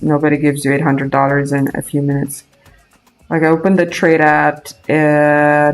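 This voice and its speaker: A young Romanian man with a Romanian accent, his voice on the high side, chats casually while streaming live as a day trader. He thinks aloud with lots of fillers and restarts, and the recording is rough.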